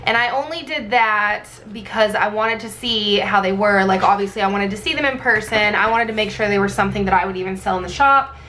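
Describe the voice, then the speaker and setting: A woman with a hoarse, sick-sounding voice that is giving out, chatting casually and thinking aloud as she records a vlog at her desk. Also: medium pitch, fairly quick, few pauses, sharp tone. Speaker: planner vlogger and sticker shop owner. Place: indoors at a desk. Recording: clear background noise.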